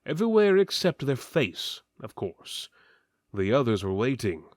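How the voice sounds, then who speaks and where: A man's voice: mid-range voice, a little slow, dry recording, clean studio sound. A man giving a mock-serious dramatic reading of fantasy fiction, narrating theatrically while keeping a straight face. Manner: theatrical, deadpan delivery of absurd lines.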